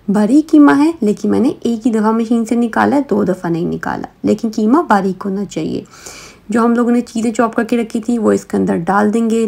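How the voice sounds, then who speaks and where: A woman's voice: on the high side, creaky, darkish tone. A woman giving a conversational, step-by-step recipe voice-over, talking directly to viewers. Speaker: cooking show host.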